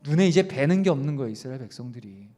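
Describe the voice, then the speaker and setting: A young man, a youth pastor, preaching a sermon at a youth service. He puts questions straight to his listeners and swings between raised emphasis and quiet asides. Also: medium pitch, animated, rapid-fire. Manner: addresses listeners directly with questions. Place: church service.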